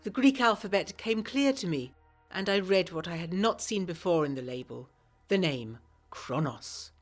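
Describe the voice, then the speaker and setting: A woman's voice: fairly low pitch, lively intonation, normal speed, soft background music. A woman playing an eager, self-pleased 1920s lady narrating a gothic audio drama in genteel, bookish diction. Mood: hushed, observant.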